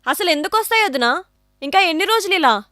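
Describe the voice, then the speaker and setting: A woman's voice: very high voice, expressive, fast talker, sharp tone, full character voice. An actress playing an outspoken young college student who urges her sister-in-law to leave her husband, mixing in English words. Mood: insistent. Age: young adult. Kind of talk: short film acting.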